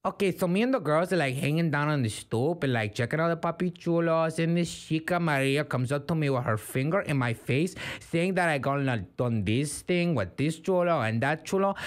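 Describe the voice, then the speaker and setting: A man's voice: on the high side, lightly acted. Man putting on a sassy, feisty young Latina. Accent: Latino American. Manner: slangy, gossipy, sassy. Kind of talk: comic character anecdote.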